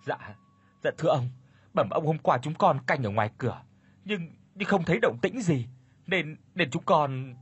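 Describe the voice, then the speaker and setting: Cowering servant, stammering pleas, breathy and thin, played by a man. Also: on the high side, animated, moderate pace, dry recording, dull audio. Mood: pleading. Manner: stammering, pleading. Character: frightened pleading servants.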